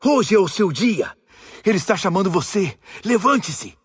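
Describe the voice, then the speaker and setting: A man's voice: high-pitched, huge pitch swings, unhurried, husky, voice pushed up, exaggerated voice. A man voicing eager, self-assured male disciples in a dramatized Bible audiobook. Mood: encouraging.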